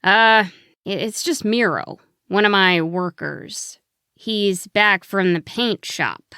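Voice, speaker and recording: A woman's voice: medium pitch, slow pace, pushed and bright, clean tone, no room sound, clean studio sound. A woman voicing a huge male rabbit boss in a children's story, stammering, evasive and eager to placate. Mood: nervous, placating.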